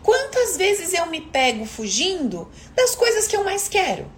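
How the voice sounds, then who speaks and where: A woman's voice: very high-pitched, wildly swooping pitch, measured pace, a little hiss or hum. A woman coach giving a motivational live talk, emphatic and questioning her listeners directly.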